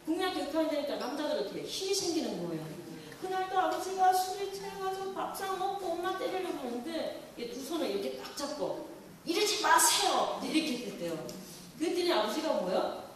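A Catholic nun lecturing to an audience, telling a story in an animated way and acting out quoted lines. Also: female voice, high-pitched, fast talker, slight background noise. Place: lecture hall. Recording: echoey hall from far off.

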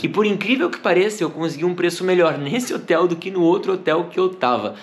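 A man's voice: on the high side, slight background noise. A man in his thirties chatting casually as a travel vlogger, filming himself at arm's length while showing a hotel room and then walking along the waterfront. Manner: chatty and animated, pointing things out as he walks. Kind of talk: casual travel vlog to camera. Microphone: camera held at arm's length.

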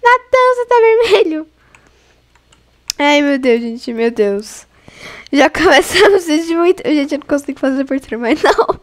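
Excitable high-voiced Brazilian woman gamer. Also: normal speed. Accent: Brazilian Portuguese. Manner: excitable, squealing and laughing, chatty with viewers. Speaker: gaming YouTuber. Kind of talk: excited gameplay commentary.

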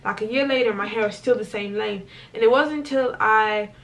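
A woman's voice: a little high, a little fast. Chatty young woman, slightly distant mic. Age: young adult. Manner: chatty, lots of fillers and acted quotes. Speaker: vlogger. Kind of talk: casual chat. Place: small indoor room, white wall.

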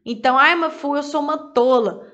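High-voiced woman teaching English. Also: a little fast, fairly bright tone, dull audio. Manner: explains word by word, repeating each phrase with its translation. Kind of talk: song-lyric language lesson.

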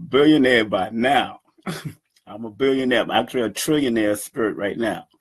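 A man in his fifties talking to his webcam from a room at home, animated and boastful, laughing often as he addresses his community. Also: medium pitch, a little slow, breathy edge. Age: 50s. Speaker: event organizer and numerology teacher. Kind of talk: casual talk to camera. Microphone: webcam at desk.

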